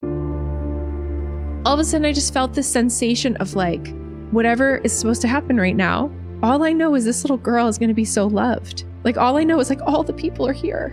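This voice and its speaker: A soft-spoken woman at a fairly quick pace, very even in loudness, with music in the background. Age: 40s. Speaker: business coach. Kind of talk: interview answer.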